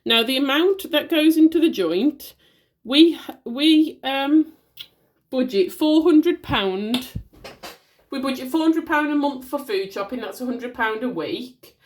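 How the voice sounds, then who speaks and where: A chatty woman in her thirties with a broad Black Country accent talks through her monthly budget at a desk at home, recorded on a phone. Her voice sits a little high and sounds slightly nasal and stuffed up from a cold. She rambles in a friendly way, with plenty of ums and restarts. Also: expressive, slow pace. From West Midlands, England. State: congested from a cold. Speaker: budgeting vlogger. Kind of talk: casual chat to camera while handling a planner.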